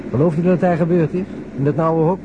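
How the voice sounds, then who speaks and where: An actor playing a reflective, questioning police detective in a naturalistic radio drama, musing aloud and probing with short questions. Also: male voice, a little high, fairly even intonation, quick pace, lo-fi sound, background noise, natural voice.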